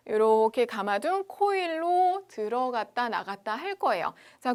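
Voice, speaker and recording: A lively woman teaching science in an online lecture, her voice sitting fairly high. She chats casually and keeps asking the students whether they follow. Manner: lively, chatty, asks students questions.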